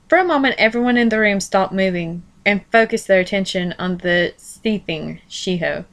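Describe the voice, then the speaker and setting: A woman's voice: mid-range voice, fairly bright tone. A woman does a casual read-aloud with her own running commentary. She is informal and unfiltered, dropping jokey asides and swear words between the lines of the story, in a mid-range voice. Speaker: fan fiction reader and commentator.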